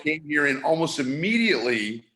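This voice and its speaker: A man's voice: a little high, very animated, moderate pace, bright, forceful tone. A middle-aged man from San Francisco hosting a live online show, talking casually with many restarts and fillers. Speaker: show host. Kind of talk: casual live-stream talk.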